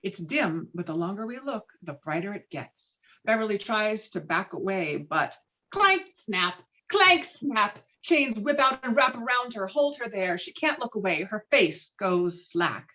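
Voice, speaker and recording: A woman reading screenplay stage directions with dramatic, expressive delivery over a video call. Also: medium pitch, unhurried, highs cut off. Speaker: stage directions reader at a table read.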